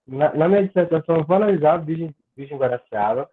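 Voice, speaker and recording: A young graduate student from Pará, Brazil, earnestly explains his research during an academic video call, now and then stumbling over his words. His voice is on the high side, animated and quick. The call audio sounds tinny, like a phone.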